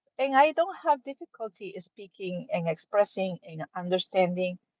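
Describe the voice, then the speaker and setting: A woman with a Spanish accent speaks at a fairly slow pace and a medium pitch, her voice dry and close with no echo. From Ecuador. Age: 40s. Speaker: vlogger practicing English. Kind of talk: casual live monologue. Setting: in a car. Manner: halting.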